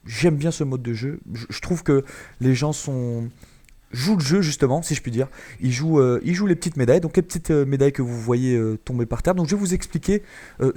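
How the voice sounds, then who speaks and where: A man from France talks over his shooter gameplay, explaining the rules in a chatty way with frequent hesitations. His voice sits at a middle pitch with a warm, mellow tone. It sounds like a home recording on a desk or headset mic. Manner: chatty, explanatory, many filler "euh"s. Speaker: gaming YouTuber. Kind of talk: gameplay commentary.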